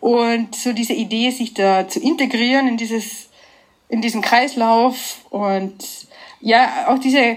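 A woman's fairly high voice at a fairly slow pace. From Austria, Carinthia (Klagenfurt). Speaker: organic farmer. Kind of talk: interview. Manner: hesitant, many filler sounds.

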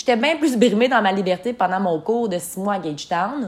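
With lively intonation, a woman in a Quebec accent talks at a medium pitch. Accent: Québécois French. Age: 20s. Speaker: podcaster. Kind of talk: motivational monologue. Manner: animated.

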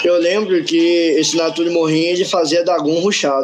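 A man's fairly high voice, fairly quick and fairly even in intonation, over noticeable background noise. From interior of Rio de Janeiro state, near Espírito Santo border. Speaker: aspiring professional esports player. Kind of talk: casual chat. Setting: live-streamed podcast.

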